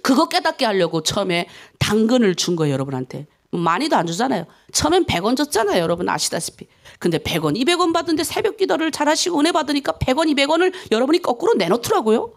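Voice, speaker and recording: Woman, middle-aged, North Korean accent, pastor, dawn sermon, high voice, very lively intonation, loud to hushed. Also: fast, gravelly. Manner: animated, swings between loud and hushed.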